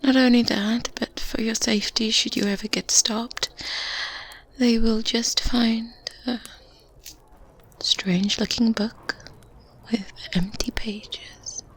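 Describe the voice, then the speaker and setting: A woman playing a brisk, secretive, faintly condescending good witch in a soft, breathy, whispered ASMR roleplay. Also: on the high side, steady tone, exaggerated voice, rough recording. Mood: condescending, explaining. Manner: slow, deliberate, hushed, commanding.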